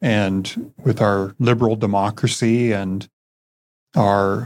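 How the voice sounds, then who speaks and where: A man with a Canadian accent speaks in a fairly low pitch with ordinary pitch variation. The recording is very clean, with a silent background. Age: 50s. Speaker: real estate developer. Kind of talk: interview conversation. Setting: studio. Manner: halting, many fillers.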